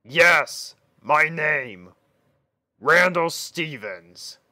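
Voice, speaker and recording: A man voicing a grumpy, indignant river shark with a gravelly, forceful voice and a blunt manner, for a story reading. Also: a little high, animated, very slow, no echo, clean studio sound, full character voice. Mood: grudging. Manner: blunt, aggrieved.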